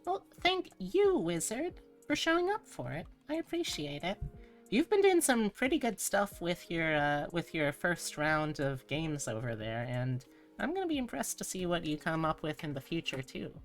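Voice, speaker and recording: Her voice lowish and very animated, this livestreamer and VTuber host keeps a moderate pace as she chats informally with viewers using cutesy, playful language. Music plays behind her.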